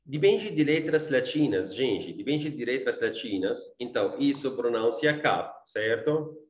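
A man with an Arabic accent teaches an online beginners' class at an even, middle pitch. He repeats phrases and keeps checking in with his students. The sound is dull and a little roomy. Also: measured pace. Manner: repeats himself, checks in often with tá and gente. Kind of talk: online language lesson.

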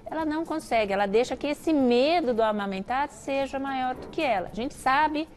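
A woman's voice: sits high, lively intonation, moderate pace. A woman with a Brazilian accent, a gynecologist guest on a TV talk show, explaining and giving advice fluently. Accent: Brazilian Portuguese.

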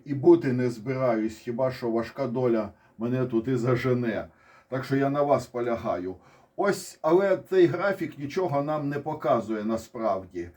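A military commentator with a Ukrainian accent talks casually and ironically about war charts, often wandering off and starting over. His voice is mid-range with a darkish tone.

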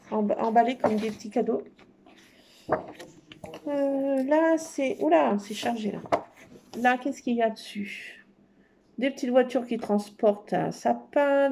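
A woman's voice: on the high side, vocal fry, warm tone, a little hiss or hum. A woman showing off scrapbooking paper in casual chat, enthusiastic and full of fillers. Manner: enthusiastic, many fillers, repeats "trop beau". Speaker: scrapbooking crafter. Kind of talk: casual show-and-tell of craft paper.

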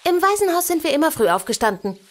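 A woman's voice: sits high, sing-song, fast. An actress playing a bold, perky orphan girl in an audio drama, chirpy and matter-of-fact. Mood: bold, urging. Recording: music behind the voice.

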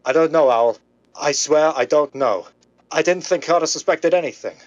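A man playing a smooth but nervous crooked businessman in a 1930s style radio drama. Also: a little high, moderate pace, natural voice. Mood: flustered panic. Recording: dull band-limited vintage-style radio sound.

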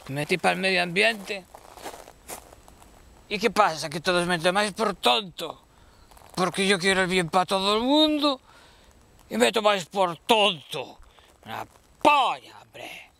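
A man acting out a self-pitying paranoid misfit. He drawls slowly in a raised, gravelly voice and circles back to the same questions. Loud outdoor noise runs underneath. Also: sits high, expressive, heavily acted. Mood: aggrieved.

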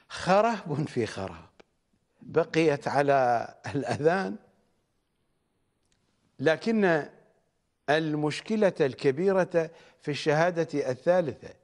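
Man, religious lecturer, fairly high voice, very slow measured delivery, emphatic peaks. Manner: deliberate, emphatic, rising on key words. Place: studio.

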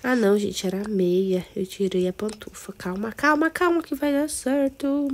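A woman with a Brazilian accent and a cold, hoarse, chatting casually to viewers through a game walkthrough. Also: medium pitch, moderate pace. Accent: Brazilian Portuguese. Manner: chatty, addresses viewers as "amores". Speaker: gameplay video host.

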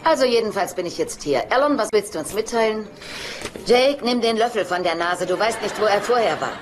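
A woman's voice: mid-range voice, animated, brisk, natural voice. An actress playing a dry, cutting mother of grown sons in a German-dubbed TV sitcom. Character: sarcastic older mother of two grown sons. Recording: noisy TV soundtrack with studio laughter.

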